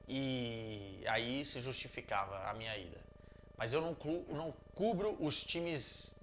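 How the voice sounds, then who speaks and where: Brazilian man in his thirties, relaxed and joking football chat, talks with his hands, medium-pitched voice, small home room with a faint hum behind him. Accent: Brazilian Portuguese. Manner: animated, joking, gestures a lot. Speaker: football commentator answering viewers. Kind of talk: casual chat.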